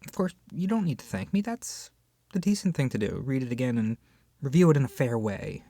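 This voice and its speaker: An ASMR roleplay voice actor delivers a scripted audio roleplay, performing one side of a conversation aimed at the listener. The husky, medium-pitched voice belongs to a flustered, opinionated book club member who is embarrassed yet fair-minded, speaking fairly quickly in an expressive, hesitant way with sighs and whispered asides. The recording is dry and of studio quality.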